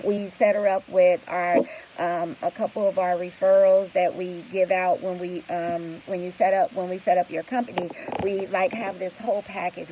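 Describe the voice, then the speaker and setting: A woman's voice: lowish voice, warm tone, a little hiss or hum, low-quality recording. A tired woman who runs a trucking business, talking candidly and rambling to her viewers in a casual vlog, full of fillers.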